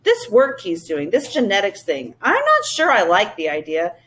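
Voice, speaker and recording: A middle-aged father, brisk and a little skeptical, talking in a plain matter-of-fact way, voiced by a woman reading aloud. The pitch jumps around lively.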